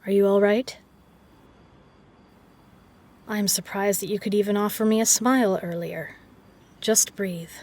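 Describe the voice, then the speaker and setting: A woman's voice: medium pitch, steady tone, moderate pace, a little mellow, close to an everyday voice. A woman playing a kind, protective, flirtatious bar regular in an audio roleplay, speaking earnestly and reassuringly to the listener. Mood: soothing.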